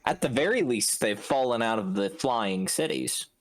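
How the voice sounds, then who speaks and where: A man's voice: mid-range voice, animated, moderate pace. A man playing a tabletop game, chatting casually and jokingly.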